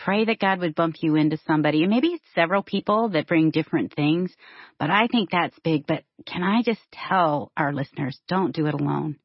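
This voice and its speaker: A woman's voice: sits low, fairly quick, husky, dry recording, highs cut off. A woman co-host of a faith-based radio show, speaking encouragingly and emphatically to listeners.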